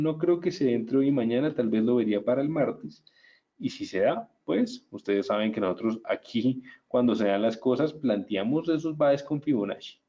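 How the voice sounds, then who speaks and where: A man talks viewers through a market analysis webinar in a chatty, upbeat way. His voice is warm and mellow. The audio sounds slightly dull and muffled, like an online stream. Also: mid-range voice. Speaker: trading analyst presenting a webinar.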